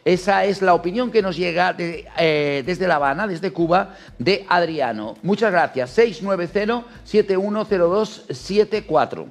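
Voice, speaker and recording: A man hosting a radio phone-in show, briskly thanking callers and moving the talk along. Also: high voice, animated, creaky. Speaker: radio host.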